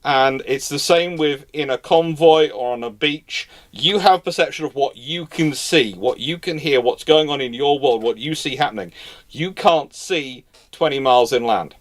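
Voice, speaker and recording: A man's voice: medium pitch, normal speed. Man casually fielding history questions live. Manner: rambling, repeats and restarts phrases, informal expert. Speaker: host answering audience questions.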